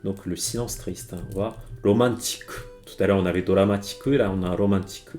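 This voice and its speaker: A man's voice: low voice, fairly even intonation, fairly quick, dark tone, soft background music. A man teaching Japanese on a live stream, talking an audience through song lyrics, hesitant and full of fillers and restarts. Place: home streaming setup.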